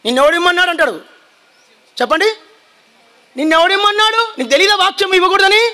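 A man preaching with fire to a congregation, his voice very high and sharp. He shouts his warnings and keeps pressing the listeners to answer and repeat after him. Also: quick pace. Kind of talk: fiery sermon. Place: church hall before a congregation.

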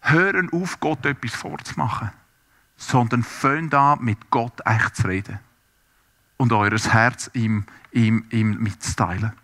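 A man delivers a sermon in a bright, forceful voice. He talks earnestly and turns straight to his listeners, as if to each one of them. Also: mid-range voice, takes it slowly. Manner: earnest, speaks directly to listeners. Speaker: preacher. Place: church service, also streamed to homes.

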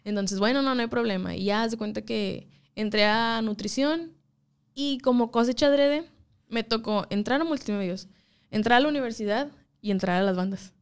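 Lively woman telling stories. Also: a little high, normal speed, clear, resonant tone. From Mexico. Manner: animated storytelling, laughs often, slangy. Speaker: guest singer. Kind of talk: casual interview chat.

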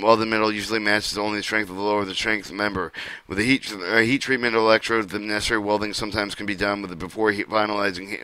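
Halting man reading a technical manual. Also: on the low side, pushed and bright, clean tone, no echo, poor audio. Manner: halting, frequent stumbles and restarts over words. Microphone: screen recording with voice-over.

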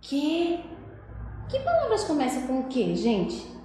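A woman's voice: high-pitched, huge pitch swings, takes it slowly, dark tone. Woman teacher with a Brazilian accent, coaxing sing-song tone, very echoey room. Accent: Brazilian Portuguese. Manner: sing-song, coaxing, asks many questions. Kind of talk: video lesson for young children. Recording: very echoey room, faint noise.

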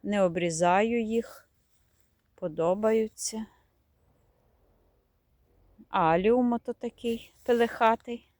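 A woman's voice: on the high side, slow pace, long pauses, a little mellow, dry recording, clean studio sound. A woman chatting fondly as she walks through her garden, showing plants and now and then searching for their names. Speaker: garden vlogger. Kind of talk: casual garden tour vlog. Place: outdoors in a garden.

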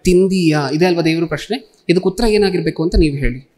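A man preaching a sermon, constantly asking his listeners questions and reading scripture slowly. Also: a little high, a little mellow.

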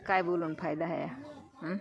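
A woman's voice: fairly low pitch, flat delivery, moderate pace, highs cut off, a crowd in the background. A middle-aged woman chatting casually to her viewers in a village vlog, checking in with "hm?" and "haan?" as she talks. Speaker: village vlogger. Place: outdoors in a village.

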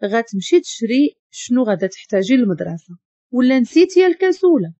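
A woman's voice: fairly high pitch, very animated, quick pace, mellow, no echo, lo-fi sound. A woman with a Moroccan accent voicing a brusque but caring young man in a spoken story. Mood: teasing.

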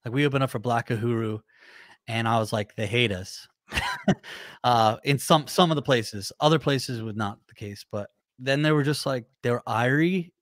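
A man's voice: medium pitch, normal speed, no room sound. A nasal-voiced man in his thirties chats as a guest on a video call. He talks animatedly, playing out his own quoted thoughts. The sound is dry and close, with no room ring. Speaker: guest musician. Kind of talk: casual interview chat. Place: home music room.

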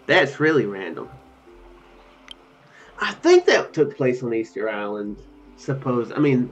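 A young man streams a text-based game from home, reading the story aloud and adding hesitant, rambling commentary. His medium-pitched voice comes through a slightly dull microphone, with faint music underneath. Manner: rambling, hesitant, with trailing asides. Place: indoor room at home.

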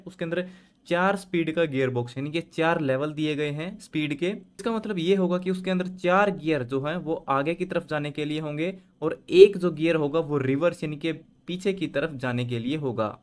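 A man hosting a screen-share lesson, reading each multiple-choice question aloud and then explaining the answer step by step. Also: fairly high pitch. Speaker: channel host and tutor. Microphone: voice-over on screen recording.

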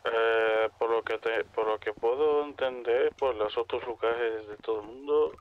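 A man's voice: mid-range voice, unhurried. A man explaining things casually and hesitantly over a radio filter in an online roleplay game. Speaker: player in a zombie survival roleplay. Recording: tinny narrow radio link.

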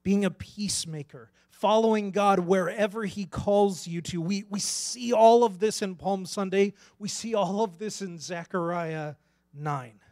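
A man's voice: high voice, measured pace, a little mellow. A man in his thirties, a pastor, preaching in an earnest, conversational way on a church stage into a handheld mic. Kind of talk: sermon.

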